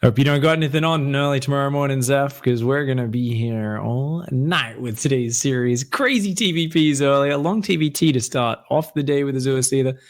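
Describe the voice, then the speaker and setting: A man casting a live esports match with energetic, hyping play-by-play and frequent fillers. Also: mid-range voice, fairly quick, few pauses. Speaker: esports caster.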